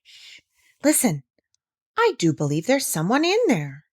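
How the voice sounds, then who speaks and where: A woman's voice: medium pitch, wildly swooping pitch, measured pace, darkish tone, dry recording, studio quality. A woman voicing a proud, self-assured owl in a storybook, speaking with insistence and precision. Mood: insistent, proud. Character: self-assured owl, keen listener, proud of sharp ears.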